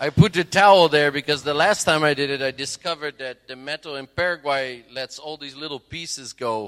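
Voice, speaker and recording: A man talks at a moderate pace and a fairly high pitch, with ordinary pitch variation and hardly any pauses. His loudness swings widely, and the sound is dry and close, with no echo. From Netherlands. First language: Dutch (speaking Spanish). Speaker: evangelist. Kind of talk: testimony.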